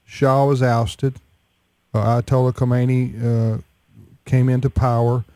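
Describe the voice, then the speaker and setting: Male radio host, mellow, dry studio sound, chatty. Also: mid-range voice, level tone, a little slow, clean tone, no room sound. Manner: conversational, restarting often. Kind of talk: radio interview.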